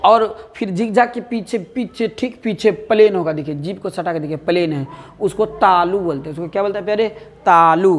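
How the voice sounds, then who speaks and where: A man's voice: sits high, fairly quick. A male teacher with a Bihari accent giving an exam-prep lesson. He repeats words over and over and keeps asking his students questions, calling them "dear". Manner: drills answers, repeating words and asking the class.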